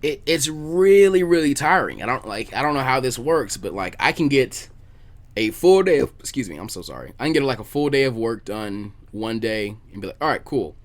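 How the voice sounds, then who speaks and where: A man's voice: mid-range voice, lively intonation, moderate pace. A man hosting a casual podcast chat, talkative and informal, repeating words as he thinks aloud. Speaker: podcast host, video creator.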